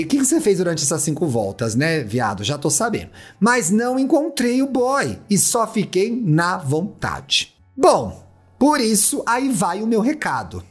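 A woman host, reading listener letters aloud and mocking them in bawdy comic chat. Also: slightly rough. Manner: mocking, bawdy, laughs a lot; swings to shrieks and low asides.

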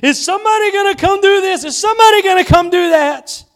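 A man voicing a frazzled, overworked woman with a shrill, pleading complaint. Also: normal speed. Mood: frustrated.

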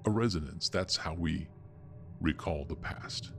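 Very deep-voiced man as game master, over music. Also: a little slow. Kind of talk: explaining a tabletop role-playing story in conversation.

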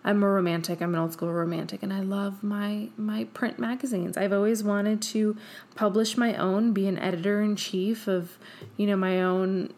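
A woman's voice: medium pitch, little pitch movement, normal speed, darkish tone. Effusive woman podcast host, non-native English speaker. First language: not English. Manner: effusive, emphatic, tangential, peppered with "like". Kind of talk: casual opinionated solo podcast talk.

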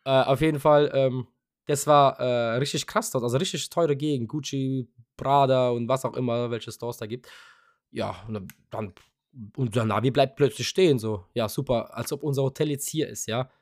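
A man's voice: mid-range voice, normal speed, dry recording, studio quality. A young man co-hosting a podcast, telling a long casual story with lots of fillers and offhand swearing. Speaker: podcast co-host. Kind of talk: casual chat.

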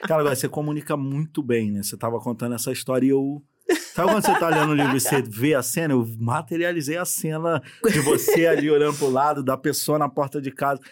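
A man's voice: on the high side, quick pace. A Brazilian man hosting a podcast, reacting with short slangy exclamations and asking questions. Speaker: podcast host. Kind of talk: casual interview chat.

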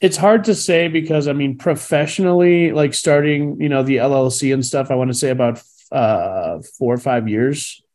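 A man's voice: medium pitch, moderate pace, hardly any pauses, darkish tone. A man born in Cuba, a dog trainer chatting as an interview guest, rambling through his story with frequent fillers and laughs. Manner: rambling, laughs between stories. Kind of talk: casual interview answers.

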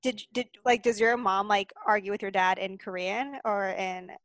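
A woman's voice: medium pitch, steady tone, moderate pace, a bit bright, no room sound. A woman hosting a casual interview, asking questions and adding encouraging replies. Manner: asks questions, encouraging back-channel replies.

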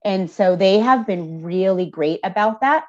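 A woman's voice: mid-range voice, expressive, unhurried, dull audio. A woman, a social services supervisor, answering interview questions in a candid, thoughtful, conversational way. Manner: thoughtful, candid, lightly laughing between points.

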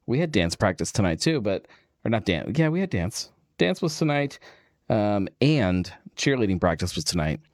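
A man with a fairly low, sing-song voice hosts a casual beer livestream, chatting in an easygoing, rambling way and using lots of fillers as he reads out viewers' messages. He talks at a normal speed, and the clean studio audio has no room sound.

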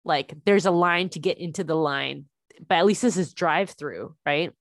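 A young adult woman tells a long, exasperated story in an easy, rambling way, with "like" dropped into nearly every sentence. Her voice sits fairly low for a woman, and the sound is close and dry. It is a casual conversation among friends. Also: moderate pace, no echo. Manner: animated, frustrated storytelling with many "like" fillers. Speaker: parent.

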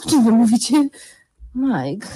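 A woman acting a chatty, nervous wife in a radio play, telling stories in an animated way. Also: on the high side, slow, breathy edge, dry recording, clean studio sound, exaggerated voice. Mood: shocked. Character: lively adult woman, an unfaithful wife.

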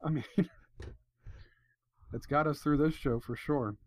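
A man's voice: a little high, steady tone, measured pace, a little mellow. A middle-aged man co-hosting a podcast in casual chat, talking loosely with lots of "like" and casual swearing. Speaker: podcast co-host.

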